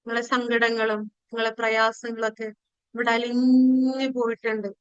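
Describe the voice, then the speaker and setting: Female guide for prayerful meditation: high, clear, smooth voice, pleading and devotional. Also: level tone, no echo, highs cut off. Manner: slow, pleading, devotional delivery with drawn-out phrases and pauses.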